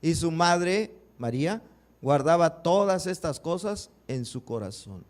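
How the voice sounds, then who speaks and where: Pastor, male, higher voice, sermon delivery with rhetorical questions to the congregation. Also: animated, a little slow. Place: church.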